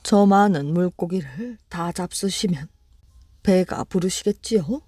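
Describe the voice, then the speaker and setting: A woman's voice: lowish voice, measured pace, dark tone, husky, no echo, studio quality. A woman voicing a clever, sly little rabbit in a bedtime storybook reading, talking politely and persuasively. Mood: polite coaxing.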